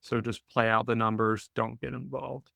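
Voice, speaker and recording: A man's voice: mid-range voice, level tone, moderate pace, gravelly, a bit bright, no room sound. Man hosting a casual trading call. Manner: conversational, thinks aloud with restarts and "right?" tags. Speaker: host of a weekly trading call. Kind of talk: casual live Q&A explanation.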